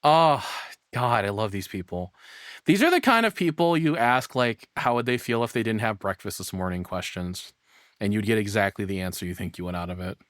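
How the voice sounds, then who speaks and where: A man's voice: lowish voice, expressive, brisk, fairly bright tone, no echo, clean studio sound. A man in his thirties giving a casual, rambling, off-the-cuff reaction with some swearing. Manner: rambling, profane. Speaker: reaction streamer.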